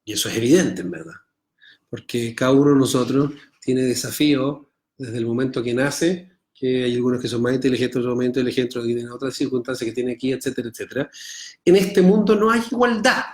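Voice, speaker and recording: A man's voice: mid-range voice, fairly quick. A middle-aged man with a Chilean Spanish accent teaching an online Torah class, reading Hebrew text aloud and translating it line by line, often checking in with his students.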